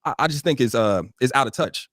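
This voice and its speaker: A man's voice: medium pitch, expressive, fast talker, a bit bright, no room sound, clean studio sound. A man arguing bluntly as a podcast guest, defensive and stumbling over his words when pushed. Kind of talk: heated debate.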